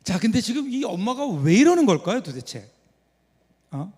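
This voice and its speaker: High-voiced pastor preaching in a reverberant church. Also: male voice, sing-song, normal speed, a little mellow, breathy edge. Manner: storytelling with rhetorical questions to the congregation. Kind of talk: sermon. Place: church sanctuary. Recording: long reverb of a church hall.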